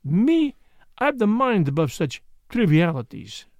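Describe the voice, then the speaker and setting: An older French gentleman detective, with a raised, animated pitch. He is vain, courteous and kindly, and places his formal phrases with theatrical emphasis. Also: a little slow, no room sound, full character voice. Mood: magnanimous.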